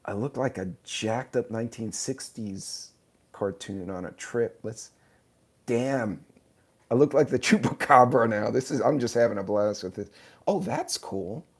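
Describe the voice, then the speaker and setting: A man, hoarse from his sinuses, hosting a casual live stream, rambling and joking at himself while greeting viewers by name. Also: mid-range voice, expressive, measured pace. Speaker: channel host. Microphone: tablet mic in vertical live stream.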